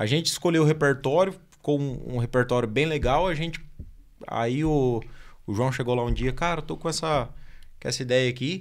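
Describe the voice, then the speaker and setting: A man's speech at a moderate tempo comes over a quiet background. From Brazil. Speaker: country singer; guest. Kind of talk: casual interview chat. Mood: relaxed storytelling. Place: studio. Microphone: studio mic.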